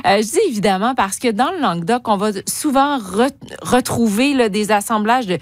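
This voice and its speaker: A woman's voice: mid-range voice, expressive, moderate pace, no room sound. A middle-aged woman with a Quebec French accent, a wine columnist chatting on a radio show, explaining with plenty of fillers. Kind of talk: radio chat segment.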